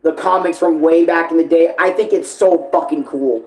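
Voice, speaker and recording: An American streamer giving casual, rambling fan commentary in an emphatic, conversational way, with slang and swearing; the voice sits at a pitch between typical male and female ranges. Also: fairly even intonation, normal speed, low-quality recording. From United States (Phoenix). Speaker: streamer and video creator.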